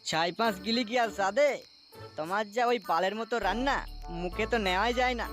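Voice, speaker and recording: A woman's voice: mid-range voice, a little fast, faint music behind, natural voice. A woman voicing a blunt, bickering, boozy middle-aged husband in a comic cartoon, full of slang. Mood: grumbling, irritated. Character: grumbling pot-bellied boozy husband, middle-aged, teasing.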